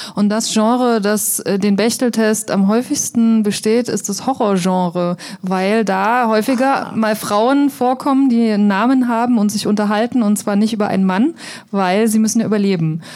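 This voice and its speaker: In a plain, everyday voice, a woman talks at a moderate pace with fairly high pitch, fairly even intonation and very even loudness. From East Germany. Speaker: author and comic artist. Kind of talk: live panel discussion. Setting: stage with audience at film festival.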